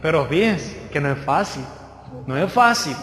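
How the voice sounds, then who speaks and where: Man, high voice, preaching a sermon, echoey church hall with long reverb, faint music. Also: normal speed. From Colombia. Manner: lively storytelling, acts out voices of others. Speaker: guest preacher.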